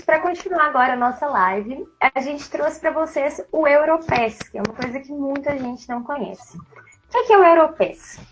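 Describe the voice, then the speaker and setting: This is a woman with a Brazilian accent and a notably high-pitched voice. She presents like a recruiter on a live stream, informal and chatty. She speaks straight to her audience as she explains things. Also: fairly bright tone, low-quality recording. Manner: chatty, addresses viewers directly.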